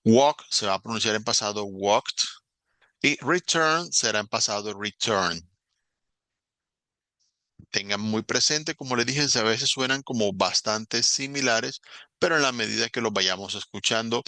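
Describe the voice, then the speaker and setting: A man's voice: medium pitch, pushed and bright, no room sound. A man, an English teacher explaining grammar in a recorded online lesson, patiently and step by step.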